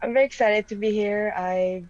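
A woman in her thirties, a guest on a video-call talk show, slightly croaky from a cold, speaking earnestly with frequent ums. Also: mid-range voice, brisk, darkish tone, no room sound. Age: 30s. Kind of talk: casual interview chat. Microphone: webcam mic on video call. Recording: dull lo-fi call audio.

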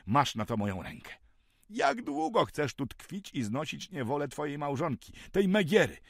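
A man voicing an excitable, dreamy male villager who talks eagerly and grandly of a great journey. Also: medium pitch, normal speed, no room sound, clean studio sound. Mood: excited. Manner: eager, grandiose, raising his voice.

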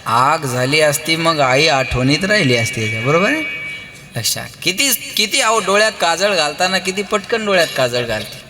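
A man with a Marathi accent preaching a devotional kirtan sermon, telling lively family stories, acting out their voices and calling on the crowd to answer. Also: on the high side, moderate pace. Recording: long hall reverb with live music.

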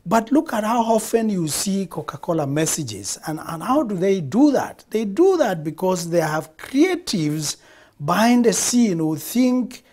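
A man's voice: high voice, very animated, unhurried, a little mellow. Expansive Kenyan man in a TV studio. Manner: expansive, gestures broadly, repeats phrases for emphasis. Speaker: guest, founder of a production studio. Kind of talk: studio TV interview. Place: TV studio set.

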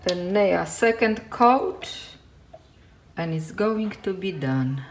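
A woman's voice: on the low side, animated. A woman with a Polish accent, a non-native English speaker, chatting casually while she repairs and paints in a small tiled laundry room, filmed on a phone. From Poland. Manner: slow, plain, non-native English with dropped words. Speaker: DIY vlogger. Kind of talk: casual home-renovation commentary.

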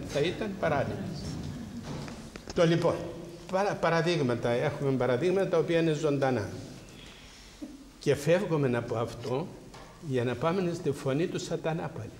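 A man's voice: mid-range voice, a little mellow, a little hiss or hum. A man, a priest, giving a spiritual talk to a congregation and asking them rhetorical questions. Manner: preaching with rhetorical questions to the audience. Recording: roomy hall with long echo.

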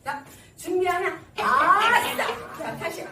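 A woman's voice: high voice, big pitch swings, moderate pace, distant mic. A woman from Seoul leading seniors through a group exercise class, coaxing them along, counting beats aloud and laughing often. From Seoul, South Korea. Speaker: senior recreation instructor. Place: large room with a group of seniors. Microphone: no microphone, recorded from across the room. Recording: echoey room, voice from afar, loud crowd and noise.

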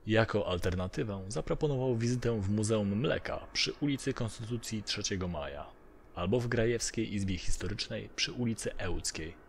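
A man's voice: on the low side, moderate pace, slight background noise. A man narrating a first-person horror story from a script. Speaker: narrator of audio horror stories.

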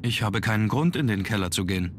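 An actor voicing a young nobleman hero in a game dub, measured and earnest. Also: fairly low pitch, lively intonation, slight background noise, close to an everyday voice. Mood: calm.

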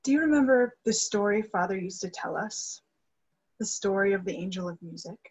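A woman's voice: medium pitch, animated, brisk, a little mellow, slightly rough, low-quality recording. A young woman acting an earnest, grieving young soprano devoted to her father in a dramatic play reading. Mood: fervent. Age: young adult. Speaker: actress in a virtual staged reading. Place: indoor room, video call. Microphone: video call microphone.

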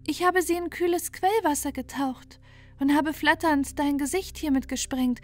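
A woman voicing a kind, pious little talking bird in a bedtime fairy tale, speaking softly and kindly in a sing-song way. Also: high-pitched, steady tone, normal speed, voice pushed up, natural voice. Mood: tender, comforting.

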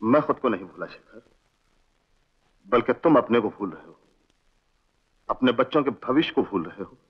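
A loyal joking family friend. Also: male voice, mid-range voice, animated, moderate pace, husky. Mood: pleading. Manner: joking one moment, pleading the next. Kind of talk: 1960s Hindi film acting. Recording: dull old film soundtrack with music.

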